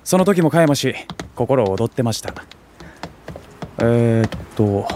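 Geeky young man, mid-pitched. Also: animated, slow, noisy background. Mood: eager. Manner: gamer slang, casual junior-style politeness. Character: geeky, slangy young junior, eager food lover. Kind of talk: Japanese voice drama acting.

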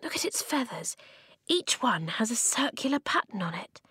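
An earnest young boy speaks softly and seriously, with a small stammer when he is unsure, as a woman reading a storybook puts him on. His voice sits a little higher than the reader's own. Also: sing-song, moderate pace, breathy edge, no room sound, clean studio sound, heavily acted. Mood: hushed. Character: young boy, steady and protective leader.

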